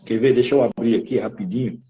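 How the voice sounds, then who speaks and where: A man, an interviewed preacher sharing his testimony in lively storytelling, acting out other voices with emphasis. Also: mid-range voice, fast talker, gravelly, dull audio.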